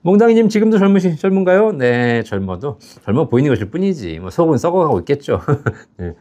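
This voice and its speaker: A man's voice: a little high, big pitch swings, a little fast, mellow. A man in his fifties hosting a live pension advice stream, reading out viewer questions and answering them in a chatty way, laughing at his own stories and often checking "right?" with the audience. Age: 50s.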